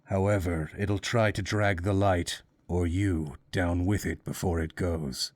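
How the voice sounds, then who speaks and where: Stern guide for a visual novel: low, calm, measured, curt, very dry recording. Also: male voice, no echo. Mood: grave, level. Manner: calm, level, measured delivery. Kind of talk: visual novel game voice acting.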